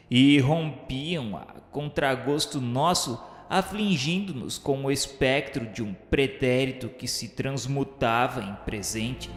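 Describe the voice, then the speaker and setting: A man with a Brazilian accent playing a solemn, sorrowful spirit who narrates a radio novel in grave, declamatory, measured literary diction. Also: medium pitch. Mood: grave, anguished. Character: solemn, sorrowful male spirit recounting his afterlife trials. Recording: echoey reverberant voice over music. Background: music.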